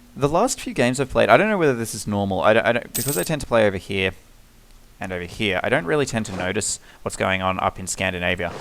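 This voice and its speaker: A man with an Australian accent, fairly low-pitched, talking very fast with lively intonation. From Australia, Melbourne. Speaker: video game let's play host. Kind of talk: gameplay commentary. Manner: casual, thinking aloud.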